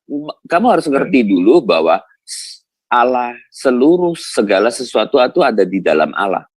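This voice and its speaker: A man's voice: medium pitch, very animated, moderate pace, no echo. A man, a Christian apologist arguing insistently in a heated debate, repeating his points.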